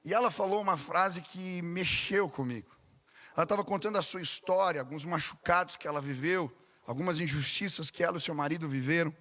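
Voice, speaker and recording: A Brazilian man preaches a sermon, his voice sitting a little high for a man. He tells stories with lively delivery and asks the congregation questions. The sound rings with the long reverb of a large church hall. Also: fairly quick. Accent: Brazilian Portuguese. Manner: animated storytelling with questions to the congregation. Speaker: pastor. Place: church sanctuary.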